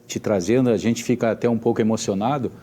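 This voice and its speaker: A man with a Gaúcho Brazilian accent hosting a live talk show, speaking haltingly with frequent tag questions. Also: on the low side, steady tone, mellow. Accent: Gaúcho Brazilian Portuguese. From Porto Alegre region, southern Brazil. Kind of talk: casual live interview.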